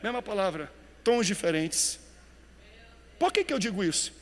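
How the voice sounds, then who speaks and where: Guy pastor preaching, lively up and down delivery, long echo like a big church. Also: high-pitched, normal speed. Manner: animated preacher, swings between loud emphasis and quiet lines. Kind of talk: sermon.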